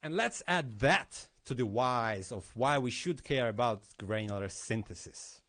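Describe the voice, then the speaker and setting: Slow-talking man giving a technical lesson. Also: medium pitch, lively intonation, a bit bright. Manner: explanatory, with demo commentary. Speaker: conference speaker.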